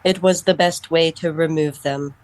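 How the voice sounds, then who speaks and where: An actress voicing a calm, literal-minded female android who served as a household steward, speaking in a measured, matter-of-fact way. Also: sits low, lightly acted. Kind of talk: radio drama acting.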